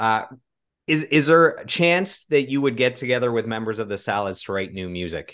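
A man with an unremarkable speaking voice talks at a medium pitch and a moderate pace. The background is quiet. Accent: Canadian. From Eastern Ontario, Canada. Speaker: podcast host. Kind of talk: casual interview. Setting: video call.

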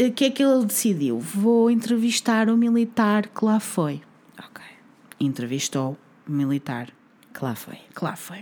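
A woman with a European Portuguese accent, a medium pitch, and a dark, mellow tone, at a fairly slow pace with very wide pitch swings and long, frequent pauses. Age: 20s. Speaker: podcast host. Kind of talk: casual storytelling chat.

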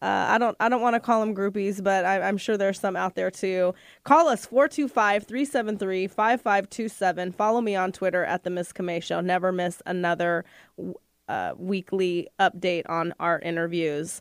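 On a very clean recording with a silent background and a dry, close sound with no echo, a woman speaks at medium pitch and a moderate pace in a bubbly, animated tone with ordinary pitch variation. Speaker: radio show host. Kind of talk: radio dj patter, upbeat morning-show banter. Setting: radio studio. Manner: bubbly, animated, warm, upbeat.

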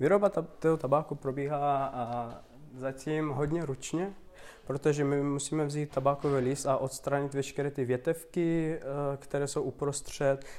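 Fairly high in pitch, a man speaks with a non-native accent. His delivery is fairly slow, with fairly even intonation. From Turkmenistan. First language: not Czech (speaking Czech). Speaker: hookah tobacco brand founder. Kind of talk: casual interview. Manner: halting, many fillers.

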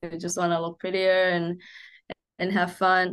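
A woman with a Chinese accent speaks against a quiet background. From Shanghai, China. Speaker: traditional Chinese medicine food therapist and dietitian. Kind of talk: casual interview conversation.

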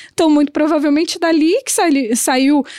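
A woman speaks at a moderate pace. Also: dry, close sound with no echo. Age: 20s. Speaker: youth ministry coordinator. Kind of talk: casual discussion. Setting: recording at a college.

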